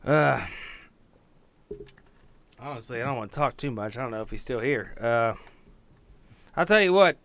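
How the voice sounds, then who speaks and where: A man with a medium-pitched voice improvises his part in a tabletop game. He is casual and wry, feeling out his phrasing with a folksy turn. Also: animated, normal speed, gravelly, pauses often, fairly bright tone. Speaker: tabletop game player on a podcast. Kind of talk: casual improvised role-play narration.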